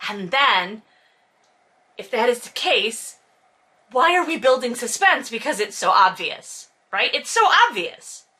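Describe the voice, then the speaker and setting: Her pitch is fairly high and her delivery animated but a little slow, with a sharp tone. She's a host reading a novel aloud and picking it apart, joking casually in a sarcastic, exasperated, foul-mouthed way that leans hard on exaggeration.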